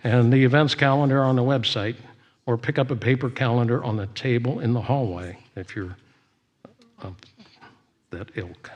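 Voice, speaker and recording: A man leading a church service, giving announcements and devotional readings in a measured way with frequent pauses. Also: mid-range voice, muffled recording.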